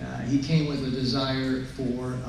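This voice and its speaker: Noticeable background noise and audible room echo accompany this man as he talks. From Toronto, Canada. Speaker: lawyer. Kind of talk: award acceptance speech. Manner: halting, many fillers.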